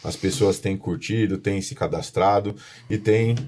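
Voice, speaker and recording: A man's voice: sits low, fairly even intonation, unhurried, a little mellow, a little hiss or hum. A man with a São Paulo Brazilian accent presenting a podcast conversationally, speaking informally to viewers and often repeating himself. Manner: informal, repetitive, addresses viewers directly. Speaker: podcast host, professional condominium manager.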